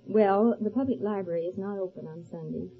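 A woman with a medium-pitched voice answers a quiz host's questions. She is reserved and soft-spoken in manner, keeping her replies brief. The recording is thin and phone-like, from vintage radio. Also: fairly quick, loud music behind the voice. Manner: quiet, reserved. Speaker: quiz show contestant, librarian.

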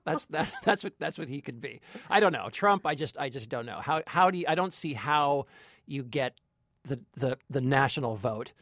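A man co-hosting a film review podcast as a critic, chatting casually and haltingly as he searches for phrasing. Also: mid-range voice, lively intonation, a bit bright, dry recording, clean studio sound. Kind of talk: casual movie review chat.

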